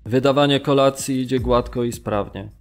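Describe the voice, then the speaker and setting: Quietly hopeful male prisoner played by an actor. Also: mid-range voice, steady tone, normal speed, natural voice. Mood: quiet relief. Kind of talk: dramatic reading of prisoner testimony in an audio drama. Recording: studio voice over background music.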